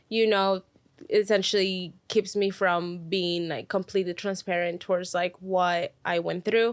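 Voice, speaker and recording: Speaking at a fairly slow pace in a Spanish accent, a woman holds a medium pitch and a monotone, flat intonation on a very clean recording with a silent background. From Mexico. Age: 20s. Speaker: reality TV personality and model. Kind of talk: podcast interview. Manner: hesitant, many fillers.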